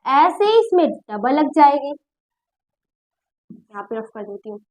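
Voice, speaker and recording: A woman's voice: high-pitched, very animated, unhurried, darkish tone. A woman teaching a grammar lesson, who explains patiently, repeats her points and checks whether the class understood.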